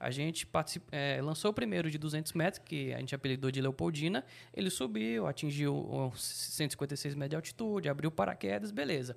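At a moderate pace, a man with a fairly high pitch and lively intonation speaks in a plain, everyday voice. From Bahia, Brazil (Guanambi). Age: 20s. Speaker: engineering student, rocket team captain. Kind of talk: casual chat. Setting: studio.

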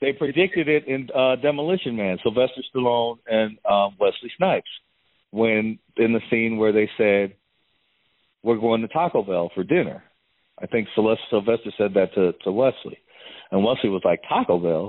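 Lively intonation marks a man talking in an unremarkable speaking voice. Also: medium pitch for a man, moderate pace. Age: 40s. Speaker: hip hop music producer. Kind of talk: casual chat.

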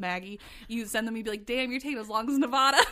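A woman talks at a very fast pace with a fairly high pitch and ordinary pitch variation. Her tone is animated, bright and sharp. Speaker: podcast co-host. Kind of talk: casual chat.

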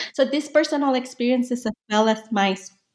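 Using a Spanish accent, a woman talks at a moderate pace. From Dominican Republic. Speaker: historian and author. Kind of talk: interview about her book, academic.

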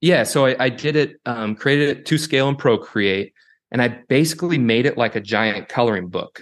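Over a quiet background, a man with an American accent talks fairly quickly in an unremarkable speaking voice, medium in pitch with ordinary pitch variation. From US Pacific Northwest (Puyallup, Washington). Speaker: artist. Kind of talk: casual interview.

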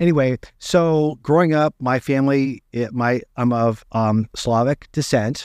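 In a dry, close sound with no echo and a very clean recording with a silent background, a man with an American accent uses an unremarkable speaking voice, medium pitch, ordinary pitch variation and a fairly slow pace. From West Virginia, near Ohio and Pennsylvania border. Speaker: health sciences professor. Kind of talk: interview conversation.

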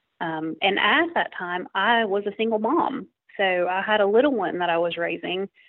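Speaking with a Southern US accent, a woman uses medium pitch and lively intonation at a moderate pace. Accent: US South. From Tennessee. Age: 40s. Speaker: runner sharing personal story. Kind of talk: personal testimony.

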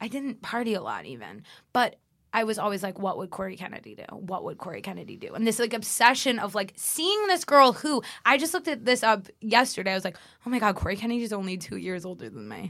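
On a very clean recording with a silent background, a woman with an American accent speaks at a very fast pace and medium pitch, her bright, sharp tone showing vocal fry, lively intonation and big swings in loudness. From Los Angeles. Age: 20s. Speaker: comedian and actress. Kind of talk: casual interview chat.

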